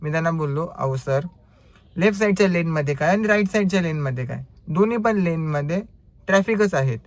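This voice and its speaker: Animated Marathi-accented male driver vlogger. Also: fairly high pitch, fairly quick, no room sound. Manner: animated storytelling, acts out quoted customers. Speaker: ride-hailing driver vlogger. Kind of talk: casual storytelling vlog.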